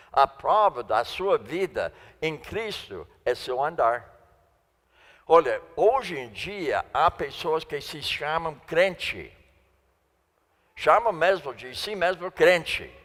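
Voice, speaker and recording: A man's voice: a little high, fairly bright tone. A man preaching a sermon in Portuguese, which is not his first language, stressing and repeating key phrases. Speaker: guest preacher. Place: church sanctuary. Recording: long church reverb.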